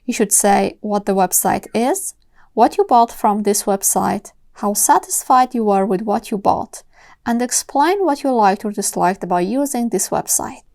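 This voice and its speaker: A woman acting as speaking-test examiner, reading out each question plainly and at a measured pace. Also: mid-range voice, gravelly, warm tone.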